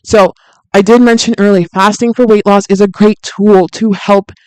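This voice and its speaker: A woman with a deep, soothing voice hosts a fitness livestream in a chatty, candid way, with plenty of fillers and easy laughs. Her tone is smooth and clean, recorded close and dry with no room sound. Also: fairly even intonation, moderate pace, a little mellow, no room sound, low-quality recording. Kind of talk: casual livestream chat reading viewer comments.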